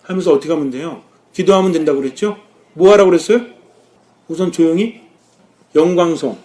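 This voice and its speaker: A man's voice: on the high side, brisk. A man, a Catholic priest, preaching a sermon, asking the congregation questions and answering them himself. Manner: lively, rising and dropping with emphasis.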